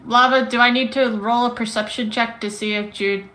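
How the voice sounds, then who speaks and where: A woman's voice: on the high side, fairly even intonation, normal speed, bright, forceful tone. A woman playing a tabletop game, talking casually with the group.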